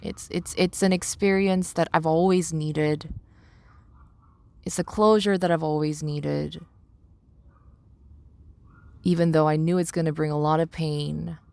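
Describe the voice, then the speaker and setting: A young adult woman talking through personal reflections as a podcast host, halting and searching for words as she repeats phrases. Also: sits low, level tone, gravelly, darkish tone, no echo.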